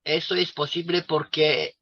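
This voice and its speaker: A man speaking slowly and deliberately on a video call, pausing often for his interpreter. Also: a little high, steady tone, very noisy. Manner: deliberate, with pauses and fillers. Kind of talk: slow lecture-like talk, pausing for translation. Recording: dry, lo-fi video call audio.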